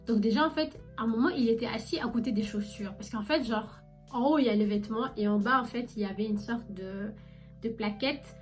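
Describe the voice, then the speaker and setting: A young woman with a fairly high voice tells a story in a casual vlog. She is chatty and animated, talking straight to her viewers. Soft music plays faintly behind her. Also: a little fast. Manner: chatty and animated, addresses viewers directly with many fillers. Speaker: vlogger recounting her job as a shop saleswoman.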